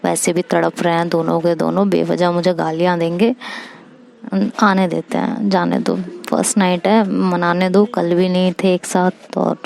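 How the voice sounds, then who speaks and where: A woman's voice: lowish voice, level tone, a little slow, creaky, a little mellow. A woman voicing a bossy, teasing young woman friend who talks in a breezy, coaxing way.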